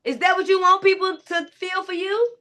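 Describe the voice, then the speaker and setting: Speaking at a normal pace with a steady tone, a clarity coach addresses her listeners directly. Her voice is high and loud by nature, and her motivational talk is casual, emphatic, and full of asides.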